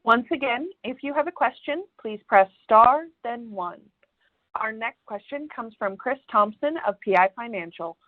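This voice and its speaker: A woman's voice: on the high side, expressive, narrow, tinny audio. A woman, a conference call operator, making formal scripted announcements. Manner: formal, measured.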